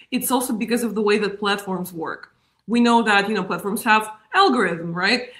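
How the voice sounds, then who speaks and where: A woman in her thirties with a Russian accent, a guest in a casual interview, talking with animated energy and frequent laughs. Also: medium pitch, roomy sound. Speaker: guest, media strategist.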